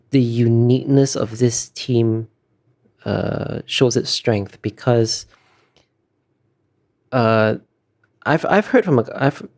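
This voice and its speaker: A man's voice: mid-range voice, darkish tone. A man giving earnest, hesitant interview answers as an illustrator, often searching for his words.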